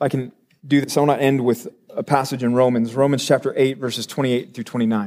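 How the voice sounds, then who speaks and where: Very fast and in an American accent, a man talks at medium pitch with fairly even intonation. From Texas. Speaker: pastor. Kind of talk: sermon. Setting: church.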